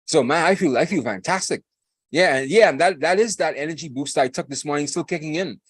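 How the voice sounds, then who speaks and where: A man's voice: fairly high pitch, fairly quick, husky, no echo. A man, hosting a podcast in a hyped, rambling casual chat, repeating himself and laughing often. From Bahamas. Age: 40s. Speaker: podcast host.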